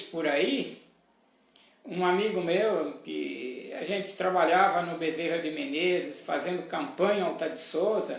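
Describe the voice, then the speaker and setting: A man with a high voice and ordinary pitch variation talks amid audible room echo and noticeable background noise. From Brazil, Minas Gerais. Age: 70s. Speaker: spiritist lecturer. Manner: halting.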